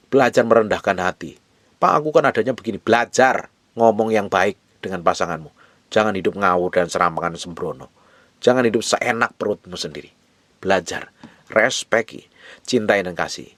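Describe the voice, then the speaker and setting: A man's voice: lowish voice, no room sound. A male pastor preaching a sermon, urging his listeners with repeated, emphatic exhortations in a casual, conversational way.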